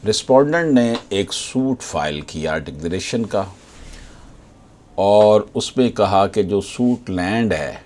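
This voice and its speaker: A man with a Pakistani accent delivers a legal lecture. His voice sits on the low side, and his pace is very slow. He is deliberate, moving between reading formal text and explaining it as an advocate would. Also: animated, darkish tone. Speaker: advocate explaining case law.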